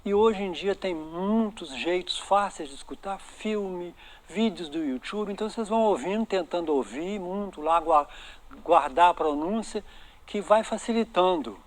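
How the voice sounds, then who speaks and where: A Brazilian man giving an online English lesson, his voice sitting slightly high. He reads each dialogue line slowly and clearly so his students can copy the sounds. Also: animated. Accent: Brazilian Portuguese. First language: Portuguese. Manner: reads English lines slowly for pronunciation practice. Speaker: English teacher.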